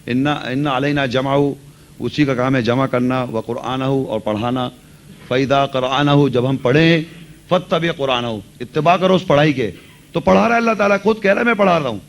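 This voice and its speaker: A man's voice: mid-range voice, creaky. A man giving a religious lecture, earnestly explaining and mixing English words into his speech. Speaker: Quran lecturer.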